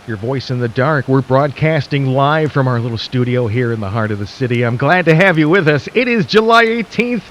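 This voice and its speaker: A man playing a folksy late-night radio DJ in a radio drama, speaking intimately and conversationally to listeners with theatrical pauses and a skeptical, intrigued air. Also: mid-range voice, lively intonation, a bit bright, a little hiss or hum, close to an everyday voice. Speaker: radio host.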